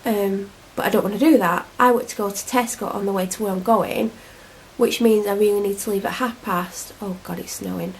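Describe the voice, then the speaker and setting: A woman's voice: medium pitch, steady tone, fairly quick, slight background noise, rough recording. A young woman with a cold, chatting and rambling to camera at home in a casual vlog. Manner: rambling, self-deprecating, chatty. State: congested, snotty from a cold. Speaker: vlogger. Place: at home, indoors. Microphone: camera mic.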